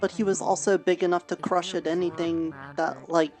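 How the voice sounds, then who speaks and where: A woman's voice: fairly low pitch, fairly even intonation, moderate pace, darkish tone, faint music behind. Worried woman roleplaying in a virtual world. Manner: worried, thinking aloud with fillers. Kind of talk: in-character roleplay chat. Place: online virtual-world session.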